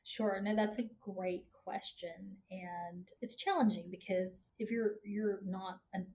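A woman's voice: medium pitch, slow. A woman in her forties with a Texas twang, talking frankly and chattily as a guest in a casual interview. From Houston, Texas, born in Vietnam. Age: 40s. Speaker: podcast guest. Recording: muffled with steady background noise.

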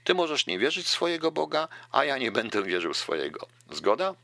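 A man's voice: mid-range voice, very animated, fairly quick, creaky, pushed and bright, dry recording, voice pushed up, heavily acted. A man voicing a bitter, sarcastic young airman who mocks and rants, read from a book. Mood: scornful rant. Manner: mocking, ranting.

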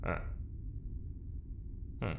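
A man playing an awkward, wry prisoner in an audio drama, halting, apologetic and understated. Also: dull audio, noisy background. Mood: wary, wry. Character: awkward, wry, hesitant male prisoner, handy with machines. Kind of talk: naturalistic audio drama acting.

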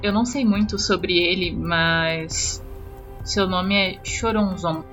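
A woman's voice: lowish voice, takes it slowly, a bit bright, soft background music. A woman playing a casual, evasive celebrity in an audio drama game, in an offhand, hesitant way. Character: casual, evasive celebrity woman who sold her soul.

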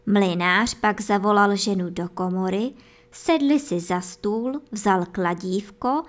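A woman reading a folk fairy tale aloud for children and adults, telling it in a lively, expressive way. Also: medium pitch. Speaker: storyteller.

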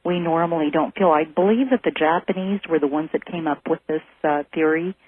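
A woman's voice: low-pitched, fairly quick. Chatty woman caller on a phone line. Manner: chatty and curious, many "um"s. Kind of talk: call-in chat. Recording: phone line with faint hiss.

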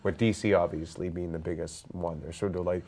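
A man with a very low voice hosts a movie news podcast. He is stuffed up, and he chats casually with plenty of fillers and the odd joke. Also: steady tone, brisk, dark tone. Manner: chatty, lots of fillers, jokey. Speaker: podcast host. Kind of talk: casual roundtable chat.

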